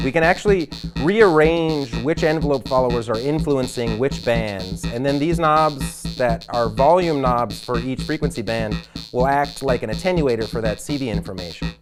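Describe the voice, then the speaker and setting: Man, mid-pitched voice, instructional demo delivery, measured explanatory phrasing, loud synth and drum machine in the background. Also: music in the background, poor audio. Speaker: product demonstrator. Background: drum machine and synthesizer sounds.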